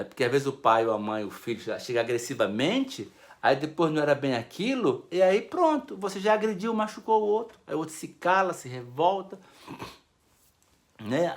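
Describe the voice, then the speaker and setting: A man with a Brazilian Portuguese accent giving a conversational talk on family life, often acting out short dialogues. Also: fairly high pitch. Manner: animated, conversational, acts out little dialogues. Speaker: family counselor speaker.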